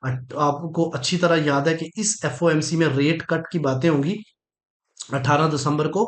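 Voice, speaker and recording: A man's voice: a little high, echoey room. A man explaining market charts step by step, with many fillers and checking in with his viewers as he goes. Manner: explanatory, frequent fillers and "theek hai?" check-ins. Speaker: trading analyst. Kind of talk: market analysis walkthrough.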